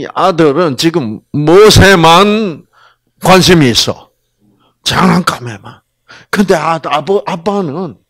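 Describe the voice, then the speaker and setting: A man giving a religious lecture to an audience, animated, asking rhetorical questions and acting out the people in his stories. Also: on the high side, no echo. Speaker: health lecturer.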